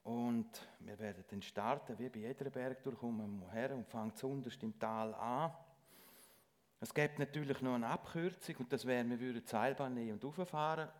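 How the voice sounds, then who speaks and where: A middle-aged man delivers a sermon in church. He speaks earnestly and haltingly, often breaking off and restarting his sentences. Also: mid-range voice. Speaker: lay preacher.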